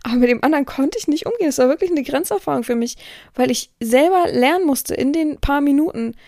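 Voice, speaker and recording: Rambling high woman with a gravelly edge. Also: animated, fast, dark tone, dry recording, studio quality. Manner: rambling, self-correcting, acts out quoted speech. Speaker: dominatrix and podcast host. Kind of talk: casual spoken monologue. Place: indoor room with an air filter running. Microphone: close studio-style mic, audio only.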